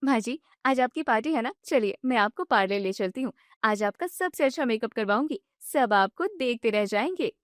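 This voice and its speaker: A woman voicing a clever young daughter-in-law who speaks calmly and firmly. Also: a little high, moderate pace, hardly any pauses, no echo, clean studio sound, lightly acted. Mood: sweet. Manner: calm, firm, lecturing.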